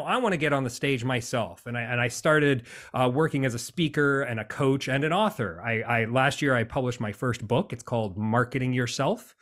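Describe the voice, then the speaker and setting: A man's voice: mid-range voice, a bit bright. Cheerful American man, chatty guest. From United States. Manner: cheerful, chatty, laughs easily. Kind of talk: casual interview chat.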